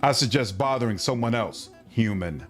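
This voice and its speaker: A man's voice: medium pitch, lively intonation, moderate pace, soft background music, lightly acted. A man voicing a surly, contemptuous male goblin who talks in curt, sneering put-downs.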